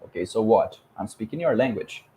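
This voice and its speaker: Brazilian host, Portuguese native, fluent and emphatic English, lower voice. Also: male voice, lively intonation, fairly quick, dark tone, a little hiss or hum, low-quality recording. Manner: fluent, emphatic, drives points home with rhetorical questions. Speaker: podcast host. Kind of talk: casual conversation about language learning.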